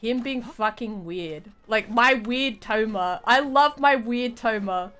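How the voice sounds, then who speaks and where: A woman's voice: a little high, slow, fairly bright tone. A woman chatting casually as she live-streams a video game, rambling and often restarting her phrases. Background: game music.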